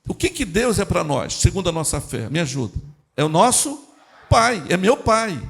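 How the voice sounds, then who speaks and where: Gravelly, animated male preacher. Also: high-pitched, moderate pace. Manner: animated preaching, addresses the congregation directly. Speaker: pastor. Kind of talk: sermon. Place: church.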